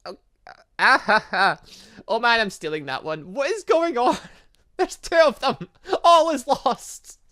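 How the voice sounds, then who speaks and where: Guy doing lets play commentary, bright sharp voice, really animated pitch, yelps and mutters to himself. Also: measured pace. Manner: excitable, exclamatory, muttering asides. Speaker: gaming video host. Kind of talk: let's play commentary, reading game text aloud.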